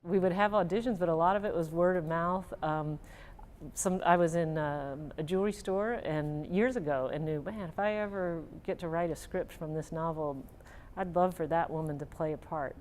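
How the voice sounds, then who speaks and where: Lady author talking in an interview, pretty deep voice, little bit of noise behind. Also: moderate pace, a little mellow. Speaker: novelist being interviewed. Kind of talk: reflective interview talk.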